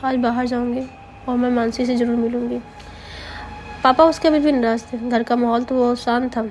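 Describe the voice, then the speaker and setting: Over noticeable background noise, the speaker talks at a fairly slow pace in a monotone, flat intonation, with long, frequent pauses. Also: woman. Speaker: storyteller. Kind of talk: storytelling. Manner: casual conversational narration.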